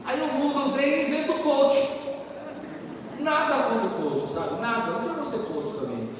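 A man preaching a sermon, telling funny personal stories with animated swings between loud excitement and quiet earnestness. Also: very high voice, normal speed, a crowd in the background. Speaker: pastor. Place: church hall with congregation. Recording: echoey church hall, mic from a distance. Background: congregation laughing.

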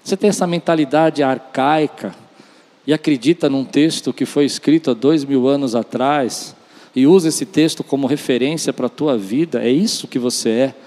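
A man's voice: medium pitch, moderate pace, a little mellow. A man delivering a charismatic church sermon as a preacher, speaking emphatically and directly to his listeners, with repetition and acted-out dialogue. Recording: long reverb of a large hall.

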